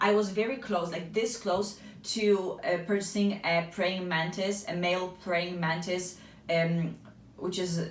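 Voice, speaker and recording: Audible room echo surrounds a woman speaking very slowly in a Polish accent. Her medium-pitched voice stays monotone and flat. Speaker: YouTuber. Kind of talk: vlog review.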